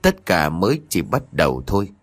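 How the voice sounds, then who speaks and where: A man's voice: low voice, wildly swooping pitch, moderate pace, dry recording, exaggerated voice. A man voicing a vengeful white ghost in a told horror story, speaking in a threatening way. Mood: menacing.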